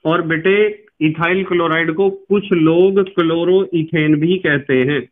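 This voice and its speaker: A male chemistry teacher giving a lecture who keeps asking his students questions and answering them himself. He spells out terms slowly and patiently. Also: fairly high pitch, steady tone, narrow, tinny audio. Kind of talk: classroom lecture.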